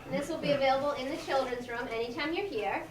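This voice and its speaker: A woman's voice: high voice, quick pace. A woman hosting a library event, casually addressing children and families. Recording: echoey, distant mic, noisy room.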